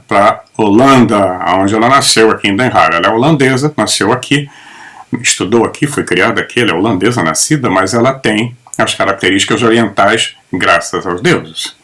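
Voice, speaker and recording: A man's voice: fairly low pitch, a bit bright. A man, giving an opinionated, rambling monologue full of personal stories. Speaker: channel host. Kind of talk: casual spoken monologue. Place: home in the Netherlands.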